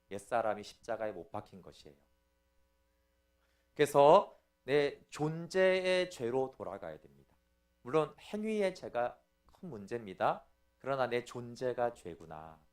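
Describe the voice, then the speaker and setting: A middle-aged man, a pastor, giving a teaching sermon in an explanatory way and often checking in with his listeners. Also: fairly high pitch. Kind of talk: sermon lecture.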